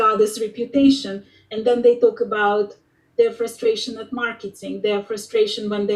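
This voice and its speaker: Someone with a non-native accent speaks at a moderate pace in a monotone, flat intonation. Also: woman. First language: not English. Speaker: knitting YouTube interviewer. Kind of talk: casual chat.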